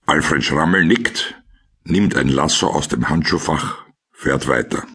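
Ein Mann mit österreichischem Akzent und rauer Stimme, der sachlich und trocken die Szenen eines Krimi-Hörspiels erzählt. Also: male voice, rumbling low, a little slow. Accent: Austrian. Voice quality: gravelly, husky. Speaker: narrator of a crime audio drama. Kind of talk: scripted scene narration in present tense.

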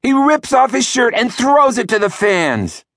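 A man putting on an excited play-by-play announcer voice, calling an imagined match. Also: very high-pitched, measured pace, no echo, clean studio sound, voice pushed up, heavily acted. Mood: thrilled. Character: excited boy sports announcer, loud.

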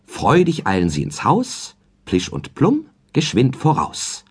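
A man recites a comic rhyming tale for an audiobook, his husky voice rising and falling in wide, lively swoops. He takes an unhurried, measured pace and keeps a sing-song verse rhythm throughout. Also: mid-range voice. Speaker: audiobook narrator.

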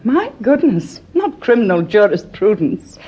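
An actress playing an effusive, gracious society wife with an upper-class British accent in a radio drama. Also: female voice, medium pitch, big pitch swings, unhurried, warm tone. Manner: effusive, hostessy. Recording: dull, noisy vintage radio recording.

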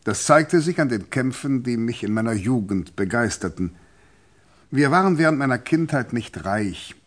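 An actor plays a gentleman author in a radio play, recalling his life. The man's voice is medium in pitch, composed and reflective. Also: lively intonation, moderate pace, close to an everyday voice. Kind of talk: autobiographical narration in a radio play.

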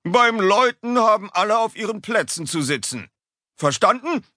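A man's voice: expressive, normal speed, no echo. A man voicing a strict male tomcat schoolteacher who barks his orders in an audiobook for children. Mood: angry. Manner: barking, stern, shrill when yelling. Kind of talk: audiobook character voice. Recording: dry close studio sound.

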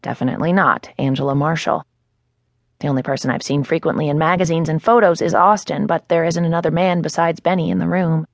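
A woman narrates a first-person novel as an audiobook, wry and conversational, close on the mic in a dry studio booth. Her low voice stays steady and brisk, with no room sound at all.

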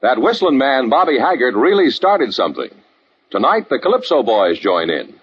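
A man's voice: medium pitch, sing-song, moderate pace. A male radio announcer from the 1950s whose voice sweeps widely up and down. His delivery is polished and emphatic. The old broadcast sounds dull, with a faint hiss under it.

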